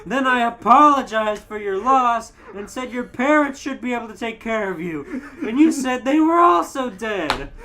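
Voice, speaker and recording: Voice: medium pitch, animated, normal speed, few pauses, pushed and bright, voice pushed up. A podcaster playing an exasperated grown man who rants furiously in a comedic story reading. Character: exasperated, ranting grown man blowing his stack.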